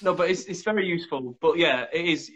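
A man in his thirties hosts a relaxed video call chat, talking quickly and eagerly. His voice sits a little high for a man, and he piles on praise in a friendly rush. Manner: quick, enthusiastic and chatty. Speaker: host. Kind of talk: casual chat.

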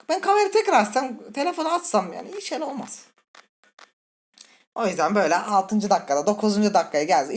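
Brief: male let's-play host, nervous and twitchy, swings from high yelps to low mutters, curses at the game, keeps asking the viewers things. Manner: jittery, scared, muttering and cursing at the game; talks directly to viewers. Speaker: gaming channel host.

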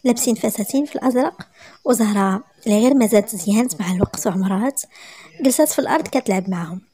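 A woman with a Moroccan accent narrating a story in a brisk, lively manner. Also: fairly high pitch, breathy edge.

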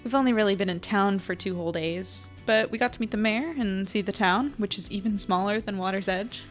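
Practical, easygoing woman editor acted, mid-pitched. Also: faint music behind, lightly acted. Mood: friendly. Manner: casual, supportive, measured. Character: reassuring, practical young female newspaper editor. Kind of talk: audio drama dialogue.

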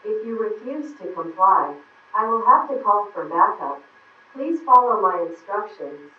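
A synthetic female voice speaking for a security robot dog in a too-smooth android manner, calm, polite and formal, heard through a tinny speaker from far off in an echoey space. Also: medium pitch, unhurried. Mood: firm polite. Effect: too-smooth android text-to-speech voice.

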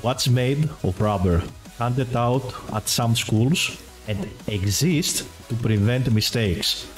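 Slow, playful man hosting a quiz. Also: medium pitch. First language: not English. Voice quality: playful, teasing, laughs often. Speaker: quiz show host. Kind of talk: casual streamed quiz hosting. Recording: music playing behind.

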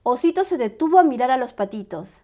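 A woman reading a storybook aloud to young children in a bright, sing-song, welcoming manner. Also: high voice, sing-song, a little slow.

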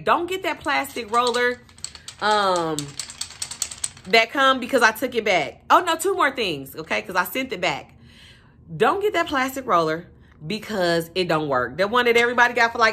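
A young woman talks straight to her viewers in a loose, slangy vlog. Her voice is bright and forward. She is animated, calling everyone y'all and sis. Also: medium pitch. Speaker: vlogger. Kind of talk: casual vlog chat to camera.

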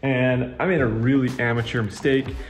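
A man's voice: mid-range voice, steady tone, normal speed. A man hosting a casual workshop vlog from his woodworking shop, recorded on his phone's built-in mic. He talks in a laid-back, enthusiastic, slangy way. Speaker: woodworking channel host. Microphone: filmed on his phone's built-in mic.

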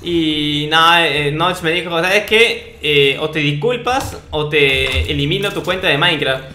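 Peruvian guy doing gaming commentary, bright forceful voice, bragging casually, bit of background noise. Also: fairly high pitch, expressive, a little slow. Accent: Peruvian Spanish. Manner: mock-boastful, cocky. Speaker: gaming video host. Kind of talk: casual Minecraft gameplay commentary. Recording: roomy sound with faint background noise.

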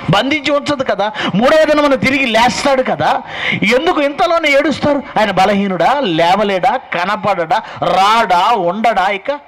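A man's voice: high-pitched, fairly bright tone, slight background noise, low-quality recording. A male pastor preaching a sermon and pressing his point with rhetorical questions. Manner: emphatic, fires rhetorical questions.

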